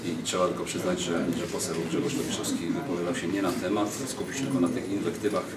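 A middle-aged man giving a measured statement to camera, pausing with fillers. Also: deep voice, fairly even intonation, recorded from a distance. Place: court building corridor, indoors. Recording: echoey corridor with loud background noise.

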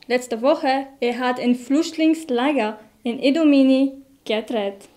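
A woman's voice: high-pitched, slow, darkish tone, a little hiss or hum. A woman reading a scripted report narration.

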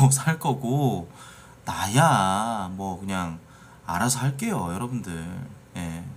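A man's voice: on the low side, a little mellow, slight background noise. A man in his late thirties chatting casually on a live stream, bluntly teasing and swearing at his viewers from a small green-screen room. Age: 30s. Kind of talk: casual live-stream chat reacting to videos.

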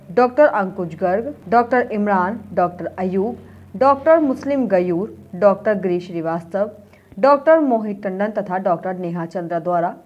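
A young woman reads the news from a studio desk. Her voice sits at a middle pitch and her delivery is formal, steady and scripted, in the manner of a regional news anchor. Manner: formal, even newsreader delivery. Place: studio with virtual set.

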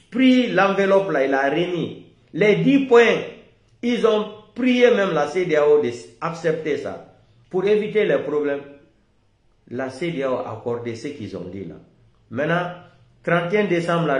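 Guy in his 40s, from home, ranting hard and repeating himself, kinda high voice, echoey little room. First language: a local West African language. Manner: emphatic, repetitive, rising on key phrases. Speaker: political commentator. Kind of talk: impassioned political monologue. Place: small room indoors.

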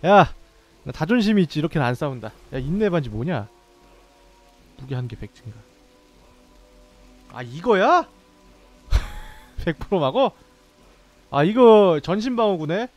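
Young male game streamer, high voice, swings wide, cursing outbursts, faint music behind. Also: very animated, a little slow, pauses often. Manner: swearing, yelling bursts at the game. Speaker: gameplay streamer. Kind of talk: live gameplay commentary.

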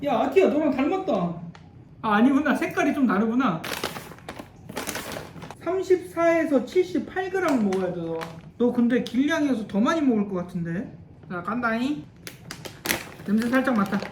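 A kitten owner filming a casual vlog indoors at home speaks to his kitten in coaxing baby talk, his extremely high voice swinging widely in pitch. He talks at normal speed and pauses often, and the room is echoey with faint noise.

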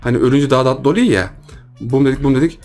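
An excitable man chatters through a Minecraft let's-play, repeating words and teasing the other players. His voice sits in a middle pitch, and faint music runs quietly under the commentary. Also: fast talker. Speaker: gaming YouTuber.

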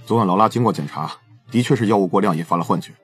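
An actor playing a matter-of-fact police officer in an audio drama. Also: male voice, on the low side, racing, husky. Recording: faint music under the voice.

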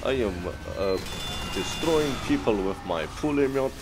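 A man's voice: mid-range voice, expressive, unhurried, over music, natural voice. A man voicing a boastful Russian heavy gunner in broken English with a Russian accent, giving comic commentary on a video game. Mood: boastful, sneaky. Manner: broken English, mock-serious bragging. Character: boastful, vodka-loving Russian heavy gunner, big sneaky ninja. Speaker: gameplay commentator. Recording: noisy game sound behind voice. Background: video game combat noise.

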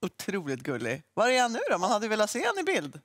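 Lively woman hosting, dry studio sound. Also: medium pitch, no room sound. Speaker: morning show host. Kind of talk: casual TV interview.

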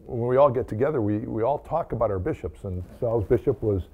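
An older American man, a Catholic archbishop, speaking haltingly as he gives informal remarks and blessings at Mass. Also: medium pitch, lively intonation, husky, phone-quality sound. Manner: halting, with repeated words. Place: small chapel, indoors.

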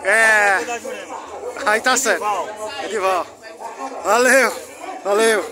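A man's voice: high-pitched, slow. Chatty man filming a market. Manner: chatty, greets passers-by, jokes. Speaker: vlogger. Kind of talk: casual walking vlog. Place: busy outdoor street market. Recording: outdoor crowd noise. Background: market crowd chatter.

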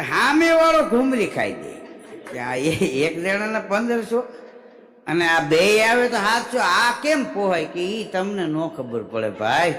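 A man performs folk comedy on stage, spinning stories and slipping into the voices of his characters. His voice sits high, and it rings through a large hall with a long reverb. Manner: animated storyteller acting out characters in quoted voices. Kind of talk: live folk comedy storytelling.

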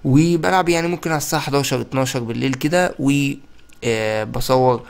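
A man's voice: medium pitch, fast, vocal fry, clear, resonant tone. A young man with an Egyptian Arabic accent giving playful, chatty gameplay commentary and talking straight to his viewers. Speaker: gaming YouTuber.

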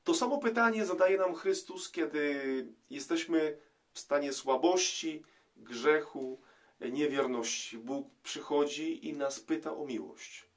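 A middle-aged man, a priest, giving a reflective gospel commentary to camera in a small room, pausing often with hesitation sounds. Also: a little high. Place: small indoor room, plain wall.

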